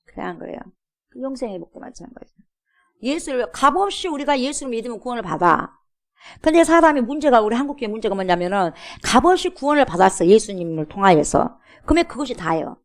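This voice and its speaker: A woman pastor with a fairly high voice preaches fast in a church sanctuary, her pitch swinging widely. She is emphatic, calling out to the congregation, asking many rhetorical questions and repeatedly saying "여러분".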